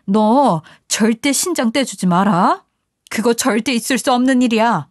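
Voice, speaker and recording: A woman's voice: a little high, measured pace, dry recording. Woman playing a no-nonsense big-sister friend who scolds hard, dry close mic. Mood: scolding. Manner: scolding, emphatic. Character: blunt, protective older sister-friend. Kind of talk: audio story acting.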